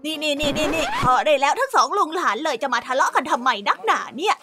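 A woman playing a bossy, teasing market shopkeeper in a children's radio drama. She chats and scolds in a nosy, sharp-tongued way. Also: sits high, animated, fast talker. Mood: scolding. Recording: music playing underneath.

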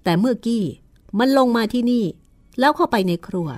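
A woman with a cold-roughened voice, voicing a polite, earnest male servant explaining to his masters. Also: on the high side, animated, brisk, a little mellow, faint music behind, voice pushed up, lightly acted. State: hoarse from a cold.

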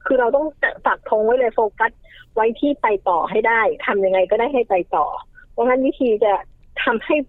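A woman guest giving family advice in casual talk, animated, acting out quoted lines as she explains. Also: on the high side, brisk, dry recording. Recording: tinny phone-like line, dry.

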